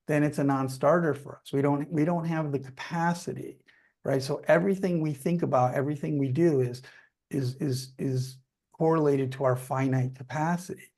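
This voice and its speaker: A man's voice: mid-range voice, a little mellow. A man speaking as a company executive, answering questions off the cuff on an earnings call in an emphatic, repetitive way that keeps checking for agreement.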